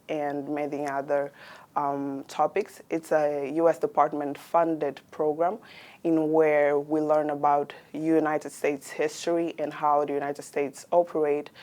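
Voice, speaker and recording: A young woman from Angola, a university student, answering interview questions in a measured way with frequent pauses. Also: sits low, mellow. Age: young adult. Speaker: exchange student.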